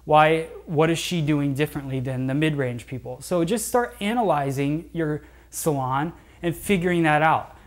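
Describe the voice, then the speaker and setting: A young man, a salon owner and hairdresser, giving casual business tips to camera in a salon, chatty with many fillers and restarts. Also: on the high side. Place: hair salon indoors, seated.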